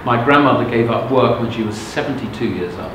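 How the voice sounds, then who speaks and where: Telling his life story to a live crowd, a middle-aged English motivational speaker whose first language is Russian talks a little fast in a mid-range voice. His tone is frank and conversational, and he repeatedly checks that listeners are following. Echo is very strong, with background noise too.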